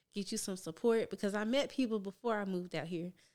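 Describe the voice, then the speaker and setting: A woman's medium-pitched voice at a moderate pace with fairly even intonation, on a very clean recording with a silent background. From US South, Memphis, Tennessee. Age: 30s. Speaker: podcast host. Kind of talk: casual solo monologue.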